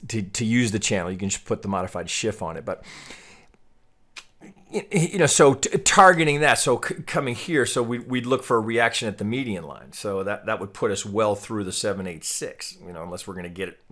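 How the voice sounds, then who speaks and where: A man giving an off-the-cuff trading chart tutorial, thinking aloud in a halting way and often repeating his words. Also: lowish voice, expressive, a bit bright. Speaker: trading analyst and host.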